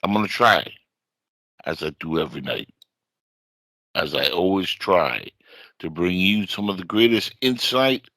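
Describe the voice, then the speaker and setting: Deep-voiced man hosting late-night radio. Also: animated, a little slow, pauses often, bright, forceful tone, no room sound. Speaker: online radio show host.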